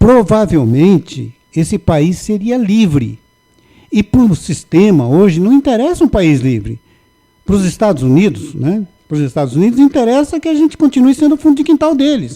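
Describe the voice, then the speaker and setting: In a dry, close sound with no echo, a man speaks at a high pitch with a dark, mellow tone and very wide pitch swings. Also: moderate pace. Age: 70s. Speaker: lawyer and political guest. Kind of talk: radio interview.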